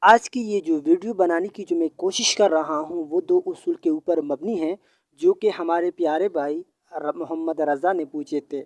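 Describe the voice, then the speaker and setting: A man teaching English grammar in a video lesson, explaining patiently, repeating points and pausing on hesitations. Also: fairly high pitch, darkish tone, dry recording.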